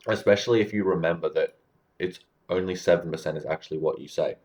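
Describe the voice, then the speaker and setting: A deep-voiced man who works as a communication coach gives casual advice to camera at a quick pace. He's relaxed and explanatory, frequently checking in with "right?".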